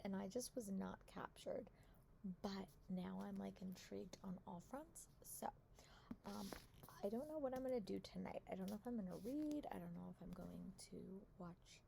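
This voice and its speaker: Hoarse woman, soft half-whispered chat. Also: medium pitch, slight background noise, rough recording. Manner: soft, half-whispered delivery to spare her voice. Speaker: book vlogger. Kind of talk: casual reading vlog chat.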